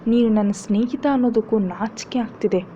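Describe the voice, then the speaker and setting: A woman's voice: fairly high pitch, brisk, natural voice. A woman doing a devoted protective young husband. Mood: angry. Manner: firm and scolding, then soft and tender. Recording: dull lo-fi recording, faint hiss.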